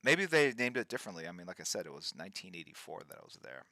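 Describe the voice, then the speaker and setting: A man in his fifties chats through a live drawing stream, thinking aloud and stopping often as he reads viewer names. His voice is fairly low with a bright, gravelly edge. The sound is dry and close. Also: sing-song, rapid-fire, no echo. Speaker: livestream host. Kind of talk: casual livestream chat while drawing.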